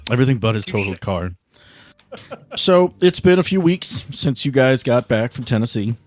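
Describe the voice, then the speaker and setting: A man's voice: medium pitch, animated, normal speed, no room sound. A man hosting as game master, chatting casually and joking playfully. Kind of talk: casual podcast banter and game narration.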